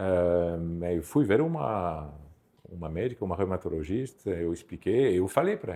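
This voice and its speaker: A man with a non-native accent speaks at a fairly slow pace in a very deep, low pitch with ordinary variation. His tone is dark and mellow, and his loudness swings widely. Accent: foreign accent in Portuguese, lasting. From Belgium (Brussels). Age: 50s. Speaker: photographer. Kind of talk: interview. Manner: halting, many fillers.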